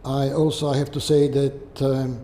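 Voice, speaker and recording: An older man with a Polish accent, answering interview questions in a halting way and often checking in with "okay?" or "right?". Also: mid-range voice, little pitch movement, dark tone. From Poland. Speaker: guest. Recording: echoey room with long reverb and faint hiss.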